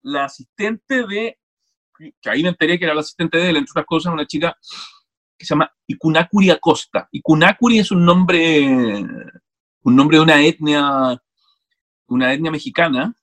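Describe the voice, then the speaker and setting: A Chilean man, an actor and interview guest, telling stories in a casual, animated, digressive way with many restarts. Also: a little high, moderate pace. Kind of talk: casual conversation.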